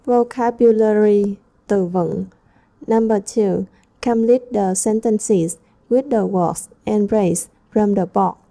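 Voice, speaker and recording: A woman's voice: medium pitch, slow pace, mellow. A woman English teacher going through a textbook review, reading each word aloud and then translating it. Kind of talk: textbook lesson walkthrough.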